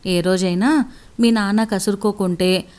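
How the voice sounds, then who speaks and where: A woman voicing a loving middle-aged mother who gently teases her husband. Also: mid-range voice, steady tone, measured pace, lightly acted. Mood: teasing. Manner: gently teasing.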